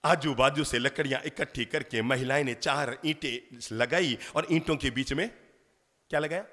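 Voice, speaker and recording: A man preaching, telling a story with lively rhetorical questions. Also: medium pitch, normal speed. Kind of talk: storytelling sermon. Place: large lecture hall. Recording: long hall reverb.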